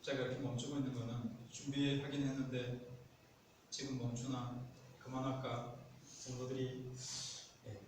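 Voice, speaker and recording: A man's voice: medium pitch, level tone, moderate pace, a little mellow, a little hiss or hum. A man preaching a sermon as a pastor, telling folksy stories and acting out what spouses say to each other. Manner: folksy storytelling, acts out spouses' voices. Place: church sanctuary. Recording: echoey church sanctuary, distant mic.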